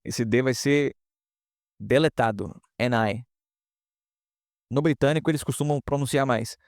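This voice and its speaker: A man's voice: medium pitch, unhurried, darkish tone, no echo, clean studio sound. A man teaching English pronunciation in a casual online lesson, explaining step by step and often checking in with students.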